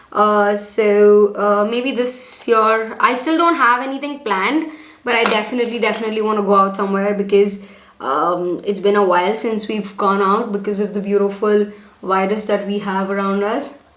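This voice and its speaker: Moderate pacing and ordinary pitch variation, with audible room echo and noticeable background noise. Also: woman, medium pitch for a woman. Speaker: beauty vlogger. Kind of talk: get-ready-with-me makeup tutorial chat. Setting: sitting on the floor at home filming. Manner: speaking softly, partner in next room.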